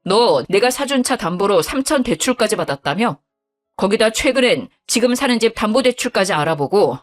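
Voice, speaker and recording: A woman voicing an angry young husband who scolds his lying wife in a lower, bitter voice in a dramatized story. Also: expressive, normal speed, lightly acted. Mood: bitter scolding. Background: faint background music.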